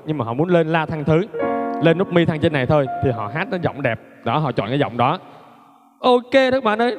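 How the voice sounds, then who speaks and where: A man giving a casual piano lesson, chatty and joking, laughing at himself between fingering steps. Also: fairly high pitch. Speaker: piano teacher. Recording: long reverb, loud piano music.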